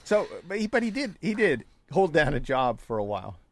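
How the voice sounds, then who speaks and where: A man's voice: fairly high pitch, very animated, a little fast, dry recording. A man co-hosting a radio show in casual, bantering talk. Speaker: radio co-host.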